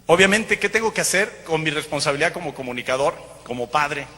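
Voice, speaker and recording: Mexican guy, high bright voice, joking testimony story, big echoey hall. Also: a little fast. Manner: lively, joking, self-mocking storyteller. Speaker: broadcaster giving a personal testimony. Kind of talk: humorous testimony storytelling to an audience.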